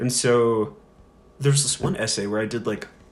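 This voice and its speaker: Using a normal speaking voice, a man talks at medium pitch with ordinary pitch variation. His pace is moderate. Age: 20s. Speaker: language podcast host and Spanish tutor. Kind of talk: casual chat.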